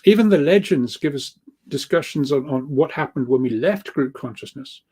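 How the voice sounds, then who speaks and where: Mellow-voiced man, halting and rambling. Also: on the high side, lively intonation, breathy edge. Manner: halting, repeats words, rambling, chuckles often. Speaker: guest speaker, researcher of earth energies. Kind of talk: informal spoken explanation of spiritual ideas.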